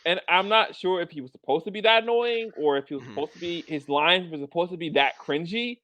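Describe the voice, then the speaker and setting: A man's voice: high voice, fairly quick, a bit bright. A man co-hosting a casual film review podcast, talking in an emphatic, incredulous rant. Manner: incredulous, emphatic ranting with mock quotes. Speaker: podcast co-host.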